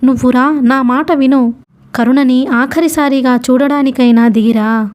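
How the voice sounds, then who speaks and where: A woman reading as a steady, urging male friend. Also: high voice, measured pace. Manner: gentle, earnest urging. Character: steady loyal male friend, calm and persuasive.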